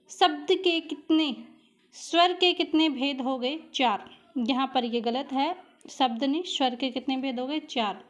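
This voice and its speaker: A woman teacher giving a grammar lesson for exam students, patiently repeating each question and then answering it herself. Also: high voice. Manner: patient, drills vowel sounds aloud.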